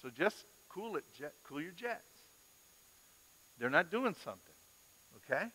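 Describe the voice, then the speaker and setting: A middle-aged male pastor giving a parenting lecture to a live audience, an animated storyteller who acts out scenes. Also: a little high, measured pace. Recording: long reverb of a large hall.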